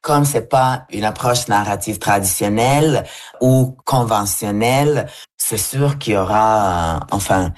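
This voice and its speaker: A woman film producer speaks in a measured way with a few hesitations. Her voice is strikingly deep for a woman. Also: darkish tone. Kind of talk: interview clip.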